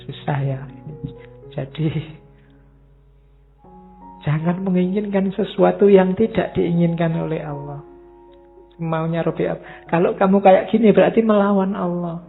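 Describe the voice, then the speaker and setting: A man lectures, casual and direct with his listeners. His voice is gravelly and a touch high. The recording is thin and phone-like, with soft music behind it. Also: a little slow, long pauses. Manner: relaxed, conversational, addresses the audience directly. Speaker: lecturer on Islamic philosophy. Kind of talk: religious lecture to an audience. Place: mosque lecture hall. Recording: tinny lo-fi recording with faint music.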